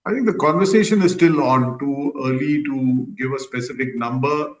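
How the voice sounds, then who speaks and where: Male executive, mid pitch, diplomatic explainer, roomy echoing conference call sound. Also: moderate pace. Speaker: company executive. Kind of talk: answering questions on an earnings call.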